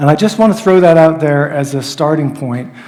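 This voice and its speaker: Amid noticeable background noise and audible room echo, a man with an American accent and a fairly high voice speaks at a moderate pace. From United States. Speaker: guest preacher. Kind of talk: sermon.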